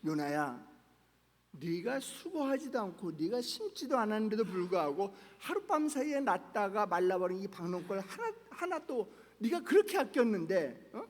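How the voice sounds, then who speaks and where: A man voicing a patient, gentle God who speaks calmly and tenderly, in a large echoing church hall. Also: very high-pitched, normal speed, full character voice. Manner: calm, tender, pleading.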